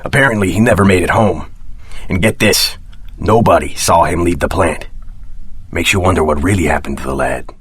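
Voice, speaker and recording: A man's voice: deep voice, moderate pace, a bit bright, slight background noise. A man voicing a weary, gossipy facility guard in a video game, griping in a conspiratorial way. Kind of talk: video game character dialogue.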